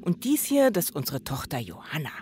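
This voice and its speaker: A woman's voice: low-pitched, wildly swooping pitch, fairly quick, warm tone, a little hiss or hum. An actress playing a polite, chatty middle-aged wife and mother in a crime audio drama. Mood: friendly.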